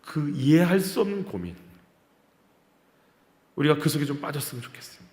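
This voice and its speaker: A man preaching a sermon as senior pastor at a Friday prayer meeting. He is impassioned, swings between loud outbursts and quiet murmurs, and asks the congregation rhetorical questions. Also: on the high side, sing-song, moderate pace. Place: church sanctuary. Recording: echoey church hall reverb.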